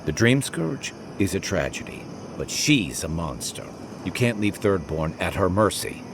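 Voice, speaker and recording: A man's voice: low voice, sing-song, a little slow, gravelly, background noise, full character voice. An actor playing a principled male companion in a video game, earnest and emphatic. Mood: appalled. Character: outraged, principled male companion pleading for innocents.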